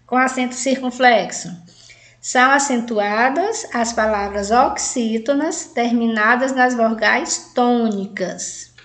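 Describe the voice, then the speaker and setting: A woman's voice: a little high, fairly bright tone, reverberant. A Brazilian woman teacher giving a grammar lesson to adult learners, spelling out examples one by one and often adding "né?". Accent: Brazilian Portuguese. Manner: slow, spells out examples word by word, frequent "né?" tags.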